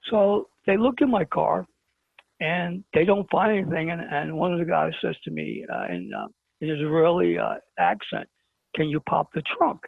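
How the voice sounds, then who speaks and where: Gravelly Brooklyn man on a phone line. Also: on the high side, moderate pace, no echo. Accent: New York (Brooklyn). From Brooklyn, New York. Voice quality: gravelly, husky voice. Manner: animated storyteller who acts out dialogue. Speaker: guest. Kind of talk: telling a personal story on a talk show. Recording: tinny phone-line call-in.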